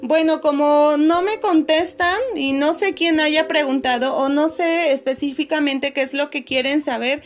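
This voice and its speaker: Patient teacher on a video call. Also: female voice, high voice, fairly even intonation, unhurried, hardly any pauses, a little hiss or hum. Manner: patient, many fillers, calls pupils "chicos" and "corazones". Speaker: schoolteacher. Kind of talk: online class video call.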